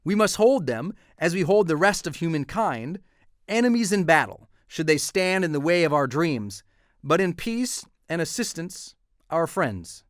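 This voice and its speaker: Male narrator, fairly high voice, dry close sound, earnest oratorical delivery. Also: big pitch swings, unhurried, no echo. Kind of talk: scripted motivational reading.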